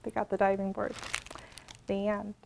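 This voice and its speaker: A woman reading a picture book aloud to children as a librarian, in an expressive storytelling style. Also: mid-range voice, normal speed, gravelly, loud music behind the voice, low-quality recording.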